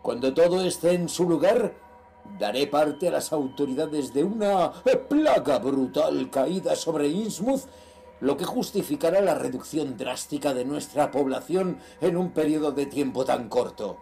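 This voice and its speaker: A ruthless cult leader played by a man narrates his diary in a horror audio drama. The voice is gravelly and dark, solemn and theatrical in its menace, with music underneath. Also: a little high, animated, a little slow. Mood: vengeful, gloating.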